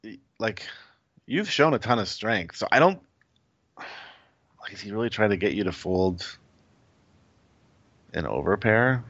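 A man with a fairly low voice talks through a poker hand as a guest. He thinks out loud, hedging often with "like" and "I think." The audio is dry and a little dull. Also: lively intonation, unhurried, long pauses, dry recording. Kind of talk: casual strategy analysis.

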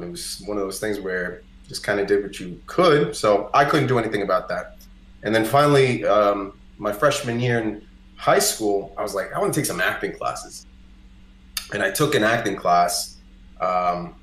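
A lowish, somewhat bright voice belongs to a Costa Rican man, a native Spanish speaker and singer-songwriter, who is a podcast guest. He keeps things casual, recounting personal stories with frequent "like" and "you know," in a room with echoey acoustics.

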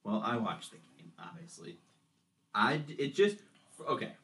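A man talking casually as a podcast co-host, his pitch swinging widely as he goes. He is animated, swears freely and laughs often between points. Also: measured pace. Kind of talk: casual chat.

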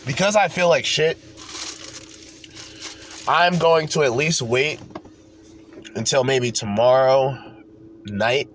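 A man's voice: mid-range voice, slow, pauses often. A man with a congested, stuffy voice, chatting alone into his home microphone as host of his podcast. His speech is loose and rambling, tossing in casual swearing, with a faint hiss of noise underneath. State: congested from a cold. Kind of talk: casual solo podcast talk.

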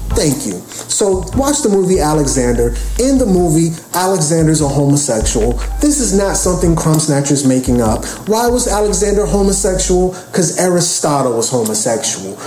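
Late-30s guy preaching his point over and over, mellow dark voice, roomy echo, faint music behind. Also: high-pitched. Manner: preachy, repetitive, rhetorical questions. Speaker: podcast host. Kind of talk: casual monologue.

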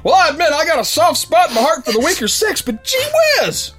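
A brash young sailor boxer blusters through his tale in a folksy, slangy way. The voice sits very high and swings widely. Music plays behind him in this old-time radio comedy. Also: expressive, a little fast, a bit bright. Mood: earnest, flustered. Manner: folksy slangy tough-guy delivery, blustering. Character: brash, good-hearted young sailor boxer, narrating his own brawls. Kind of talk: old-time radio comedy, first-person yarn spinning.

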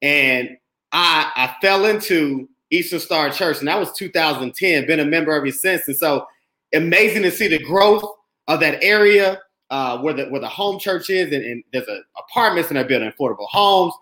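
A man's voice: on the high side, expressive, moderate pace, pushed and bright. A man in his thirties from Indianapolis hosts a podcast interview in an enthusiastic, casual way, often calling people "man.". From Indianapolis, United States. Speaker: podcast host. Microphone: remote call mic. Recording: roomy echo.

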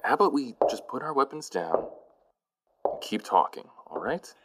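Noir audio drama: placating, apologetic sidekick, mid-range voice with big swings, anxious and earnest. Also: male voice, mid-range voice, big pitch swings, normal speed, rough recording. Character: anxious, apologetic peacemaker, detective's male friend.

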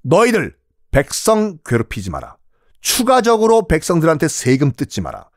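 A man's voice: a little high, huge pitch swings, normal speed, no echo, studio quality. A man telling history in a playful, joking way, acting out little scenes as he goes. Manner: playful, jokey, acts out scenes. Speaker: history storyteller. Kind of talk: lively history lecture.

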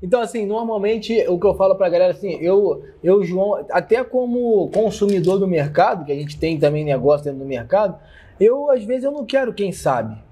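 A man's voice: sits high, expressive, a little fast, dark tone, slightly rough. A man born in Bahia and raised in Rio, a chef co-hosting a casual podcast chat, explaining his points emphatically and repeating phrases. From born in Bahia, raised in Rio de Janeiro.

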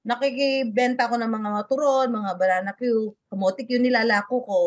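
A woman's voice: on the high side, fairly even intonation, normal speed, no room sound. Middle-aged woman guest, talkative and laughing, dry close mic. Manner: chatty, laughs often, restarts sentences. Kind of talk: casual interview chat.

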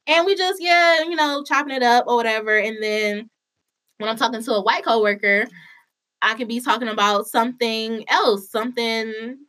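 A woman's voice: on the high side, normal speed, sharp tone. A woman with an African American accent in a casual, candid chat, speaking informally and swearing freely.

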